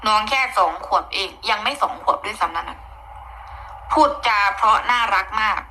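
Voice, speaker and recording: Bright-voiced woman with an Isan accent. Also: mid-range voice, normal speed, a little hiss or hum, low-quality recording. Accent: Isan (Northeastern Thai). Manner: chatty, opinionated, mixing in Isan dialect, bursts of exclaiming. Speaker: online commentator. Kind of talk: gossip commentary.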